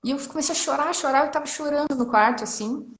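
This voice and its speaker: A woman's voice: sits high, fast, slight background noise. A woman in her thirties from Brazil, telling a personal story in a casual, emotional way with frequent tag questions. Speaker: entrepreneur guest sharing testimony. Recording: roomy echo.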